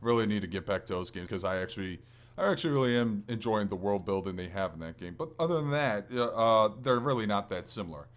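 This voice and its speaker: Guy with a lowish voice chatting on a gaming podcast, reads out questions, casual co-host. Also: expressive, quick pace.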